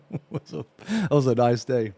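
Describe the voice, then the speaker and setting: Laughing frequently and ending lines with a lingering "man," a man in his late thirties casually reads viewer messages during a live stream. His medium-pitched voice is mellow with vocal fry, and there's a little hiss or hum in the audio.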